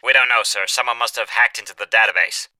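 A man's voice: on the low side, steady tone, fast talker, sharp tone, no room sound. A man voicing a hesitant, deferential police officer reporting over the radio.

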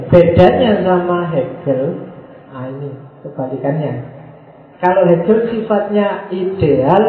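A man gives a casual philosophy lesson, teasing his listener and slowing down to stress key words. His voice sits a little high. The recording is tinny and phone-like, with heavy room echo. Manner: casual, teasing explanations with slow emphatic stretches. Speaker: philosophy teacher.

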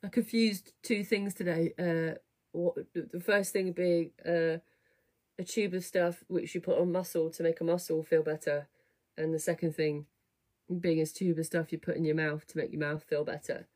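A woman hosting a fitness studio livestream, chatting casually to viewers in a slightly croaky, rough voice, rambling with lots of fillers. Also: fairly low pitch, flat delivery, moderate pace, warm tone. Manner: chatty, rambling, self-deprecating, many fillers. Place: home, at a desk. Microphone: webcam or computer mic at a desk.

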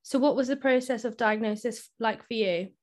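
A woman's voice: a little high, moderate pace. A woman hosting a podcast, asking friendly, long questions full of fillers. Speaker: podcast host. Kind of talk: podcast interview.

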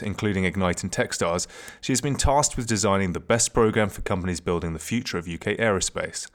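A man hosting a podcast, reading a measured, formal introduction. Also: low-pitched. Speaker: podcast host.

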